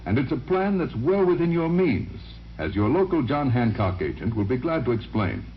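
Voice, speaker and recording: A man's voice: medium pitch, sing-song, normal speed, muffled recording, a little hiss or hum. A man delivering a scripted sponsor's message in 1940s radio commercial style, as on an old broadcast disc.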